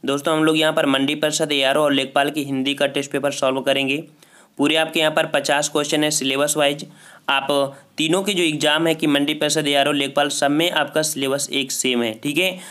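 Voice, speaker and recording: A man's voice: on the high side, little pitch movement, fairly quick, a bit bright. A man teaching exam prep, going through a grammar test and repeating each answer with a check-in. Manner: repeats each answer and asks it back with "ठीक है". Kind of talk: solving a Hindi grammar test paper aloud.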